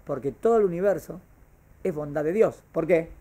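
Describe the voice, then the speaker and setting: A man's voice: on the high side, moderate pace, warm tone. Man as a Torah teacher, questions the class and answers himself. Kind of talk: classroom lesson on Jewish thought.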